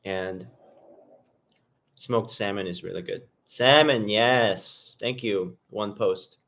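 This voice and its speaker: Hosting a laid-back live stream, a man eats while chatting loosely and rambling straight to viewers in the chat. His voice is lowish and a bit bright, and he speaks at a slow pace.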